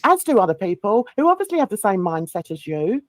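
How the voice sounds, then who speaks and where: A woman's voice: mid-range voice, big pitch swings, brisk, no room sound. A woman in a heated live stream debate, defensively insisting on explaining herself.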